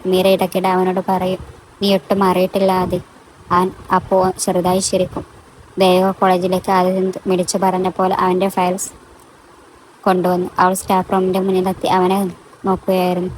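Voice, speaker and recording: A woman narrating a romantic audio story with a calm, measured delivery. Her voice sits low and stays very level throughout. A faint background hiss runs under the reading. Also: poor audio.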